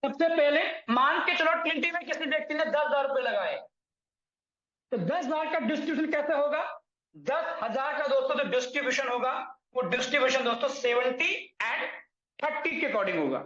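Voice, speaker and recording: A man's voice: very high voice, expressive, normal speed, pushed and bright. A man presenting and explaining an earning plan to viewers, often calling them friends and correcting his own figures as he goes. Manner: repeatedly addresses listeners as friends, corrects himself on numbers. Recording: echoey room, dull lo-fi sound.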